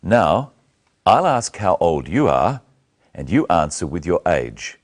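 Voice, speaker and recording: A middle-aged man teaching English in a deep voice, with lively rises and falls in pitch. He speaks slowly and very clearly, like a scripted lesson. A lapel mic keeps him close. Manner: slow, clear, carefully spoken. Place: small studio set, indoors.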